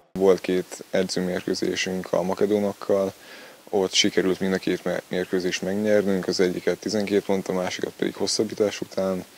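At a fairly slow pace, a man with a very deep, low pitch talks in a monotone, flat intonation, the sound dry with no echo and light background noise behind it. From Hungary (Nyíregyháza); Hungary. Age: young (19). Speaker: basketball player. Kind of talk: interview. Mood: calm, modestly pleased. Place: hall. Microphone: handheld.

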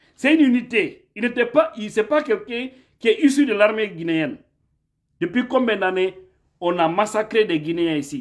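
An animated man speaks with high pitch and very wide pitch swings. His pace is moderate, and the background is quiet. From Guinea. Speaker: online political commentator; political commentator. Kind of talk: live stream monologue. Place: home room. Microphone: phone near.

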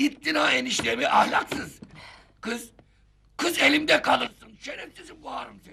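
A put-on character voice, raspy and high-pitched, shouting at a moderate pace with long, frequent pauses. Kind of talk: insulting, heated. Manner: shouting, scolding.

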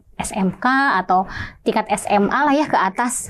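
This woman's pitch moves in an ordinary way as she talks at a moderate speed. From Indonesia, Purwakarta (West Java); West Java, Indonesia. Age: 50. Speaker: pharmacist and lecturer, political candidate; lecturer, candidate. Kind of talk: podcast interview. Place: studio.

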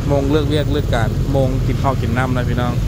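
The man's voice sounds dry, with no echo. Loud background noise runs behind it. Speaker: travel vlogger. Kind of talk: casual vlog chat. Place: motorbike.

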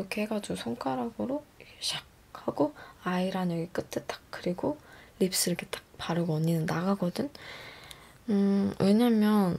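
A woman speaks. Her pace is fairly slow. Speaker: live streamer. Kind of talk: casual livestream chat about makeup. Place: home room. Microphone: studio mic.

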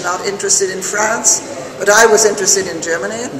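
There is noticeable background noise behind a woman speaking at a medium pitch. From France. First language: French. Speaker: professor. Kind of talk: interview. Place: hall. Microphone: handheld.

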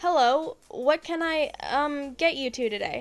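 A squeaky, put-on character voice at a fairly slow pace, with music in the background. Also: woman. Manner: disguised, trying to be unrecognized.

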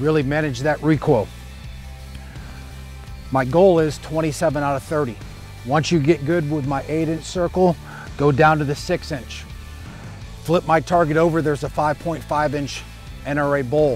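A man at a fairly slow pace with fairly even intonation and long, frequent pauses, in a dry sound with no echo and faint music in the background. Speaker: shooting instructor. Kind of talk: tutorial. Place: open country.

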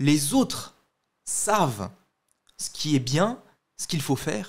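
Speaking very slowly, a man with a fairly high pitch makes very wide pitch swings. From France. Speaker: life coach, school founder; life coach. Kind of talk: interview. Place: home room. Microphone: studio mic.

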